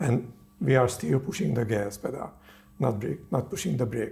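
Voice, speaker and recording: A man speaks at a moderate pace and medium pitch. His voice has vocal fry and ordinary pitch variation. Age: 60s. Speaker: research scientist. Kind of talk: interview. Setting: on location in a lab facility. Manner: halting.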